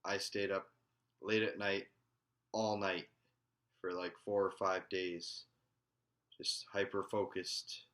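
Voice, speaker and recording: Slow, low-voiced man telling a story. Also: flat delivery, fairly bright tone. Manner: slow, halting personal storytelling. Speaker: vlogger. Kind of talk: casual storytelling.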